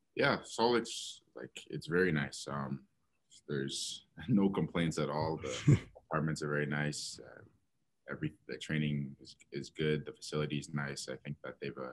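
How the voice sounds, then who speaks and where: A man with a very deep, low pitch and vocal fry speaks at a moderate pace. His loudness swings widely, while his pitch varies in an ordinary way. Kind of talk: interview answer. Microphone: video call.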